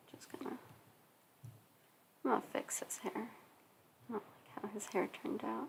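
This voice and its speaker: A woman whispers at a moderate pace, with long, frequent pauses. Her loudness swings widely. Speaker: art streamer. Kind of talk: casual chat. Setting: livestream at home. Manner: soft-spoken. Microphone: cheap condenser mic.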